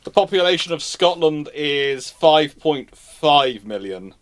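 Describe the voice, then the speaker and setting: A man's voice: a little high, expressive, slow. A man hosting a casual live history question-and-answer session, speaking emphatically and repeating phrases for stress. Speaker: host answering viewer questions.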